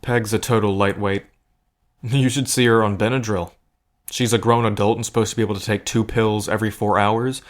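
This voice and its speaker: A man plays a protective cousin caught up in a gambling scheme. His voice sits fairly low and stays conversational. He speaks earnestly, with a dry wit, as in an intimate audio drama. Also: level tone, brisk, lightly acted. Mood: firm, persuasive. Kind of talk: scripted audio drama acting, addressed to the listener.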